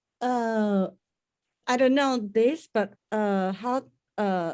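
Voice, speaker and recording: Against a quiet background, a woman with a non-native accent and a fairly high pitch speaks at a very slow pace with ordinary pitch variation. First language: not English. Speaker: language student. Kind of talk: online language class. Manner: halting.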